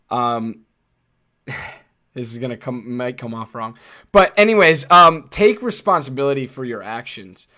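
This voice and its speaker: A man's voice: mid-range voice, sharp tone. A man hosting a live online interview, talking in a casual, supportive way with many fillers. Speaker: host.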